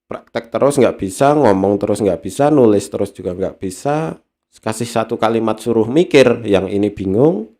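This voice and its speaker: A man's voice: lowish voice, animated, moderate pace, mellow. A man presenting a talent analysis seminar, explaining in a casual, conversational way with many fillers and acting out everyday examples. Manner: acts out everyday examples in other voices.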